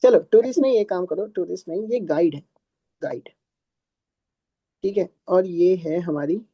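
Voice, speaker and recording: A man's voice: high voice, normal speed, no room sound, muffled recording. A male teacher giving a classroom math lecture, asking and answering his own questions in a chatty, joking way, with students in the room.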